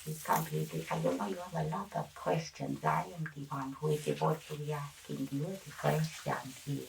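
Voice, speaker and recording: A woman playing an eccentric, fussy medical examiner in an ASMR roleplay, talking in a halting, rambling, repetitive and reassuring way. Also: sits low, lively intonation, vocal fry, far from the mic, a little hiss or hum, exaggerated voice, poor audio. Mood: defensively reassuring. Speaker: ASMR performer.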